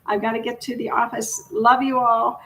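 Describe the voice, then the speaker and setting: A woman's voice: on the high side, flat delivery, normal speed, a bit bright, a little hiss or hum, poor audio. A woman presenting a casual unscripted video as a real estate agent, chatty, rambling and self-deprecating.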